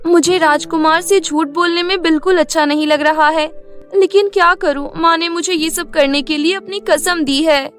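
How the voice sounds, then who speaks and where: A woman's voice: very high-pitched, fairly even intonation, moderate pace, fairly bright tone. A woman voicing an earnest, meek young princess in a cartoon story, with a pleading manner. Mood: troubled. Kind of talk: Hindi cartoon story dubbing. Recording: music bed behind the voice.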